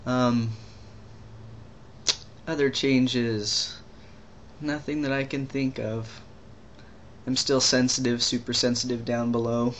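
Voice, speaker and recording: A young trans man talking casually in a video diary, rambling and halting with many restarts and fillers. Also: medium pitch, flat delivery, fairly bright tone, a little hiss or hum. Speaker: vlogger.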